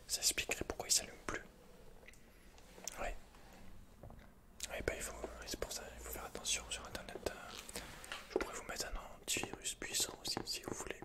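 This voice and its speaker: A young man playing a guarded computer repairman and hacker in a halting, breathy whispered ASMR roleplay. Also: close to an everyday voice. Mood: reserved, matter-of-fact. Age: young adult. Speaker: ASMR creator. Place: small indoor set, dark backdrop.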